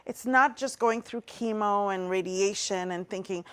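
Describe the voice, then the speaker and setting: A woman's voice: mid-range voice, moderate pace, a bit bright, clear, resonant tone. A middle-aged woman from Trinidad and Tobago, a guest talking earnestly and reflectively in an interview, with many fillers. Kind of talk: interview conversation.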